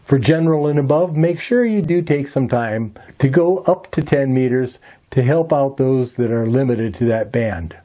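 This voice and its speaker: A man reading a scripted explainer in a measured, instructional manner. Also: mid-range voice, mellow. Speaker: presenter of an amateur radio tutorial.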